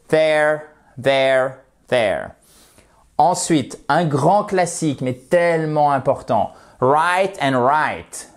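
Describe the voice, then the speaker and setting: A man teaching an online pronunciation lesson, patiently repeating example words slowly and checking in with his viewers. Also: medium pitch, darkish tone. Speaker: English teacher.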